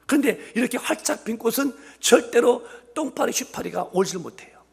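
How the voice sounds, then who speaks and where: Animated, gravelly-voiced pastor in his fifties. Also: very high voice, moderate pace. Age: 50s. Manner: animated, joking, rhetorical questions to the congregation. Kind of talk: humorous sermon. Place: church sanctuary.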